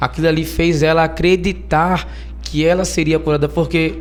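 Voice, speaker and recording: Fairly quick-paced man's voice with music in the background. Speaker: pastor. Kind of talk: casual chat.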